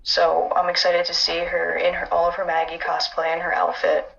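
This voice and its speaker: Gravelly young woman on a dull call line. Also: fairly low pitch, monotone, normal speed, fairly bright tone. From upstate New York. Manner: earnest, rambling with fillers. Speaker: guest. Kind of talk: casual chat.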